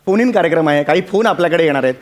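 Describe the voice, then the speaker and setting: An actor playing a foolish talk show host who blunders and gives absurd advice. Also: male voice, fairly high pitch, lively intonation, racing, lightly acted.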